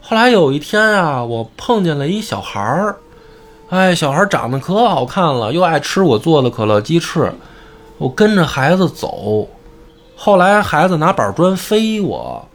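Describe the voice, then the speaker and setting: A man's voice: fairly high pitch, sing-song, normal speed, voice pushed up. A man voicing a confused young husband rambling about a long dream, in a comic storytelling.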